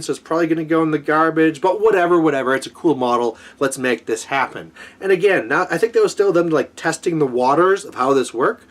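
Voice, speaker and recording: Exasperated man ranting, fairly high-pitched voice. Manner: exasperated, complaining. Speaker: gaming hobby vlogger. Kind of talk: casual opinion rant to viewers.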